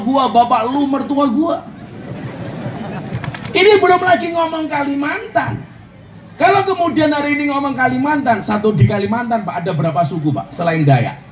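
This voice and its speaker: A man preaching a humorous sermon to a crowd, joking and imitating regional dialects. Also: high-pitched. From Indonesia. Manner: jokey, animated, mimics regional dialects, frequent shouts. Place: outdoor religious gathering. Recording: roomy, distant, with crowd and noise. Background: audience murmur and ambience.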